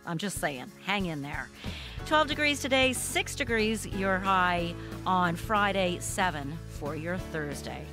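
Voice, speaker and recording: Lady radio host in the studio, kinda low voice, brisk and friendly. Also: animated, music in the background. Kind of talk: news and weather reading. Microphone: studio mic with headphones.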